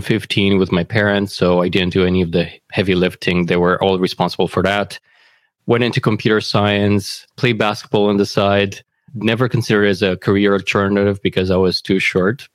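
A man's voice: on the low side, a little fast, dry recording. Romanian-accented man, dry close sound. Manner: relaxed, friendly storytelling. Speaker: guest. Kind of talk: casual interview.

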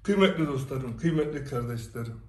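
A man's voice: medium pitch, animated, brisk, a little mellow, far from the mic. A man giving an emphatic direct-to-camera monologue to his followers, telling stories and firing off rhetorical questions. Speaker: commentator addressing followers. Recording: echoey room, away from the mic.

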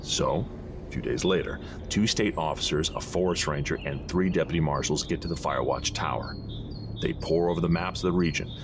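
An actor playing a gruff, pious deputy marshal in an audio drama, talking in a dry, folksy, deliberate storyteller's way. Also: male voice, rumbling low, noisy background. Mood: measured storytelling.

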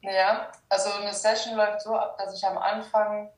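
A woman's voice: medium pitch, level tone, normal speed. A young adult woman from Germany, a guest explaining her practice in a casual interview, hesitant, with many fillers. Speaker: guest, shadow work practitioner. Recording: roomy, distant sound.

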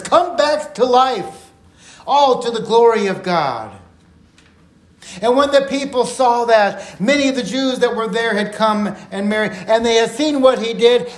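Earnest higher-voiced man in an echoey room. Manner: earnest, reflective storytelling with slow emphatic quotes. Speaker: Bible teacher. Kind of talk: podcast Bible study talk.

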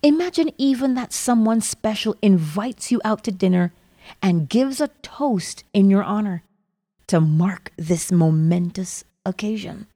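A woman softly narrating a guided meditation in a soothing manner, with gravelly fry and breathy phrase endings that trail toward a whisper. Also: mid-range voice, lively intonation, unhurried. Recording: long reverb on the voice.

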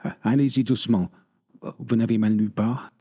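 An actor playing a gentle, devout parish priest in an audio drama, speaking in a calm, consoling manner with a husky voice. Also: male voice, fairly low pitch, moderate pace, close to an everyday voice.

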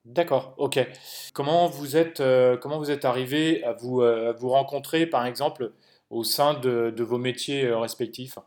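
A man's voice: mid-range voice, fairly even intonation, normal speed, darkish tone. Hesitant male interview host. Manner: hesitant, many fillers. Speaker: podcast host. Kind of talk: interviewing guests.

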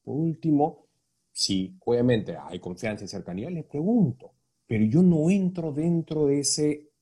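Male co-host, mellow husky tone, reflective, explains with examples. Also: a little high, lively intonation, a little slow. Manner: reflective, explaining with examples, frequent tag questions. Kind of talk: casual conversation on emotions.

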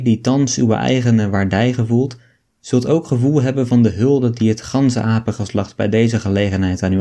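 A man's voice: mid-range voice, warm tone, lightly acted. A man reading an audiobook, voicing a stately male baboon who delivers a formal, ceremonious address.

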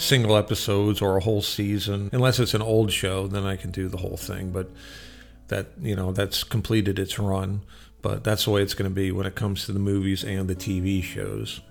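A man's voice: low voice, creaky. Casual male radio show host.

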